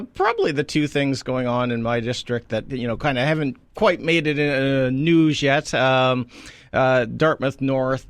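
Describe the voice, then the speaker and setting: Guest, man, low voice, measured explainer, dry studio. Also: dry recording. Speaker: city councillor. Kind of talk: radio interview guest. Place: radio studio.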